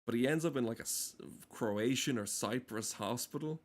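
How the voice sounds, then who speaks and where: A man's voice: medium pitch, moderate pace. A man rambling casually as a game streamer, swearing often and ranting in a mock-earnest way. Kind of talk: casual rambling livestream commentary.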